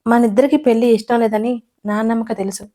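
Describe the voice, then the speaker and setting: A woman's voice: on the high side, steady tone, quick pace, mellow, natural voice. A woman voicing a young husband who laughs things off with a teasing, sarcastic manner. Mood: mocking.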